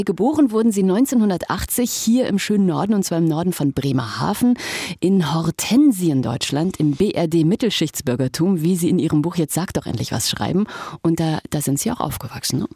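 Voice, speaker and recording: Female radio host, calm and attentive, warm husky tone, dry studio. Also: fairly low pitch, brisk, no room sound. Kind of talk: radio interview.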